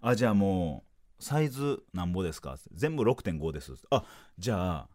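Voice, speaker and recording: A comedian in his thirties with a Kansai Japanese accent, hosting a podcast and telling funny stories alone, acting out bits of dialogue in quick bursts. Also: sits low, big pitch swings, darkish tone. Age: 30s. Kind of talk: solo comedic storytelling.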